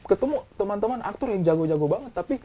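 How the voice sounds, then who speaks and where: A man talking as a film director, explaining his views with examples in a casual, animated way. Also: high-pitched, quick pace, dull audio. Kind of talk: casual discussion.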